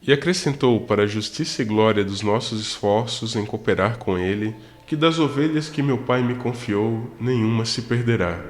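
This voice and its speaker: An actor playing a gentle, fatherly priest who guides spirits, speaking softly and tenderly in a sermon-like way. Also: medium pitch, normal speed, hardly any pauses, close to an everyday voice. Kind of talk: radio drama acting.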